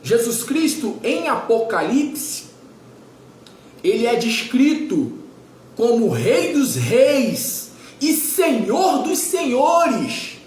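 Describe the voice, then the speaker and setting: A man's voice: very high-pitched, sing-song, extremely slow, darkish tone, echoey room, a little hiss or hum, low-quality recording. A man in his forties preaching a sermon as pastor, emphatic and repetitive, firing off rhetorical questions. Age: 40s.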